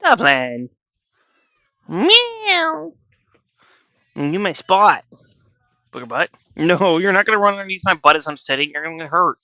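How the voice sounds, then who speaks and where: A man's voice: fairly high pitch, brisk, pushed and bright, no echo. A man streaming live, casually chatting and coaxing and scolding his pets in a joking way.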